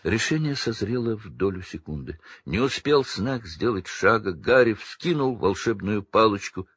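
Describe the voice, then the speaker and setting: A man narrating an audiobook in a dramatic, measured way. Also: lowish voice, expressive, fairly bright tone, slightly rough, no room sound. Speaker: reader.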